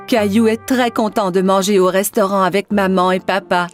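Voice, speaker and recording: A woman narrating a scripted children's cartoon story in an expressive storytelling manner. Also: medium pitch, moderate pace, soft background music, close to an everyday voice.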